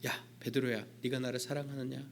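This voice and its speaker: A gentle, calm teacher figure, as a preacher voices him, pitched lower and quieter than the speaker's own voice. He questions softly and steadily. It is a quick sketch inside a sermon retelling. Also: a little hiss or hum, close to an everyday voice. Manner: low, soft, calm.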